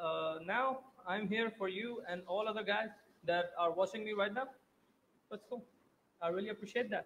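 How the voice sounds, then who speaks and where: A man with a Pakistani accent speaks in a high pitch at a moderate pace, with ordinary pitch variation, long, frequent pauses, and light background noise. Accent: Pakistani Urdu. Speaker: pro wrestler and stand-in live stream host; guest. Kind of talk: casual live stream chat. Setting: online live stream from laptop. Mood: joking, playful. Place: home room. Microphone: video call.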